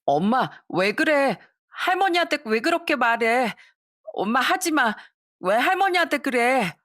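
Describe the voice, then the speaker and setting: Brief: distressed kids' voice, high and pleading, put on by a woman narrator. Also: sing-song, unhurried, a bit bright, heavily acted. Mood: upset protest. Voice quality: childlike, pleading. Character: upset young grandchildren, protesting.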